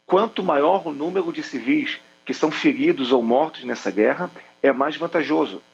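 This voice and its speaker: A man's voice: on the high side, creaky. Earnest Rio-accented man on a lo-fi line. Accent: Rio de Janeiro Brazilian Portuguese. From Rio de Janeiro, Brazil. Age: 40s. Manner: earnest, many "é" fillers. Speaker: military spokesman guest. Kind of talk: remote interview answers.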